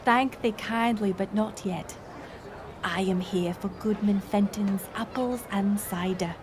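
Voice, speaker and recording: A woman playing a curious, playful village woman in an intimate audio roleplay, speaking in measured, teasing, old-fashioned phrases. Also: mid-range voice, background noise, close to an everyday voice. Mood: polite. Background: music.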